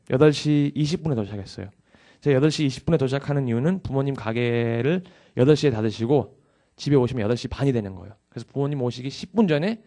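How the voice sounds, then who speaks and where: A man's voice: mid-range voice, mellow. A young male pastor giving a dawn service sermon, confessing his own past candidly before turning to earnest exhortation.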